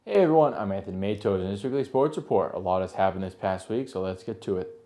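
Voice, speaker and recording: A man's voice: low-pitched, expressive, quick pace, warm tone. A man reading a local TV sports report, going steadily through scores and results.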